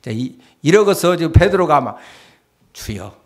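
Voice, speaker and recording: A man preaching a sermon with a high, sing-song voice that rises and falls a lot. He swings from hushed asides to loud calls to the congregation. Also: moderate pace. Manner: lively preaching that swings between soft asides and loud exhortation; acts out pleading cries in a low voice. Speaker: pastor.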